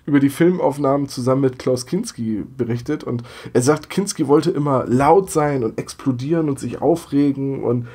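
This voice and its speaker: Casting: verschnupfter männlicher Co-Host, gesprächig, mittlere Stimmlage. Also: male voice, medium pitch, moderate pace, hardly any pauses, dark tone, breathy edge. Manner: chatty, laughs, imitates voices. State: slightly congested from a cold. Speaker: podcast co-host. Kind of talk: casual podcast chat.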